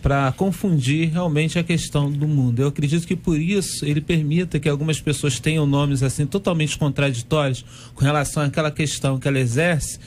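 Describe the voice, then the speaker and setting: A man's voice: fairly high pitch, steady tone, fairly quick, hardly any pauses, darkish tone, slight background noise. A man on a radio debate panel, speaking earnestly with a preaching tone.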